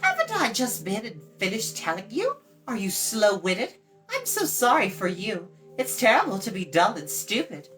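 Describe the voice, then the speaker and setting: A woman's voice: mid-range voice, huge pitch swings, normal speed, a bit bright, faint music behind, voice pushed up. A woman voicing a chatty, blunt young girl in a fantasy storybook, in a light, musical voice with a breezy manner. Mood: indignant, blunt. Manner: breezy, talkative, matter-of-fact. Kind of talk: children's fantasy storybook reading.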